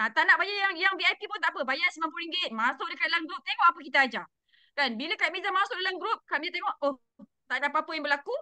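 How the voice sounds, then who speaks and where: A woman talks at a very fast pace in an extremely high pitch, with lively intonation, a dry sound with no echo and a quiet background. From Johor, Malaysia. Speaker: direct-sales team leader. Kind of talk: motivational sharing on video call. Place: home room. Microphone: webcam.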